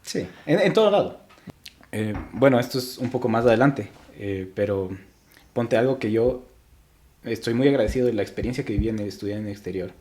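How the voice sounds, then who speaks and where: A man's voice: on the low side, lively intonation, fairly quick, a little mellow. A young man from Ecuador, a podcast guest, talking reflectively in casual interview chat with frequent restarts.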